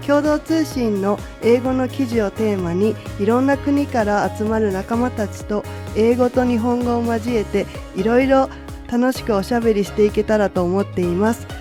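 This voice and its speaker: Female host in her thirties, polite and quick, with a music bed under her. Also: a little high. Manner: polite, scripted introductions. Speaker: podcast host and journalist. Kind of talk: hosting a podcast.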